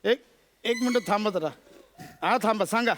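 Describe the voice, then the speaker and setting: A man playing a fussy older father-in-law who keeps trying to calm his son-in-law, bumbling. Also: high-pitched, normal speed, a little hiss or hum. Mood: busy. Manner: soothing, repeating calming words, bumbling. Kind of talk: stage sketch comedy.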